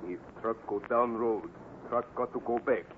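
A man acting as a cautious cowboy-serial scout with a mid-pitched voice. He talks in measured, stilted broken English, terse and steady. The old radio recording is narrow and clearly noisy. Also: natural voice. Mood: steady, scheming. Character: steady, cautious Native scout sidekick to boy hero.

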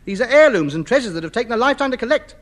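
A man's voice: extremely high pitch, expressive, very fast. An actor playing a vain, self-important man who clings to faded grandeur, in a 1950s radio sitcom. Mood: indignant. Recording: old radio broadcast.

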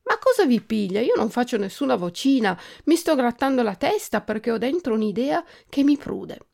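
A woman's voice: on the high side, very animated, moderate pace, gravelly, a little mellow, voice pushed up, full character voice. A woman doing a bossy brusque cobbler. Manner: brusque, commanding.

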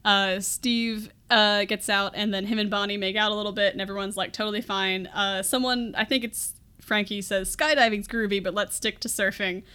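A woman's voice: medium pitch, fairly even intonation, normal speed, pushed and bright, clear, resonant tone. A woman co-hosting a podcast, casually recapping a film as a giggly, wry storyteller with mock-dramatic asides. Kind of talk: casual comedic movie recap chat.

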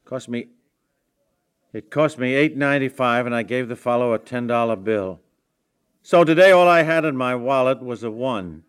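A man's voice: medium pitch, moderate pace, clean tone, close to an everyday voice. An American man playing a stubborn, flustered, absent-minded husband and father in a 1950s radio comedy, blustering and stammering. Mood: rueful.

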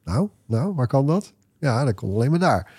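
A man co-hosting a podcast in casual chat, halting and repeating words as he goes. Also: medium pitch, very animated, darkish tone, slightly rough. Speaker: podcast co-host.

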